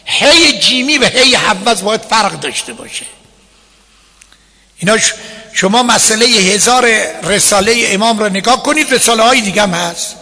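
A man's voice: high voice, pushed and bright, slightly rough. A man giving an explanatory lesson on Quran recitation rules as a religious teacher, chanting verses between his explanations. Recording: long hall reverb.

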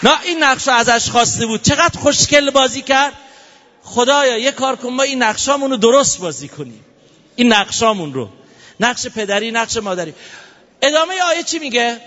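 A man preaches animatedly and playfully to a live audience and keeps prompting them to applaud. His voice is very high and bright. It carries a long hall reverb on dull, muffled audio. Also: lively intonation, some chatter behind. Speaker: religious speaker. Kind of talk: lively sermon to a live audience.

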